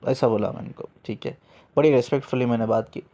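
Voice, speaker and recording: A man's voice: mid-range voice, quick pace. Man telling spiritual stories. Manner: lively storyteller mixing in English words; repeats himself often to stress a point. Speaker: spiritual coach. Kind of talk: storytelling talk.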